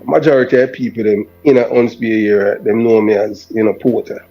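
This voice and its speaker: A man's voice: fairly low pitch, fairly quick. A man with a Jamaican accent speaking as an interview guest in casual patois sprinkled with Rasta speech. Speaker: guest, former police officer. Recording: dull lo-fi sound, music behind.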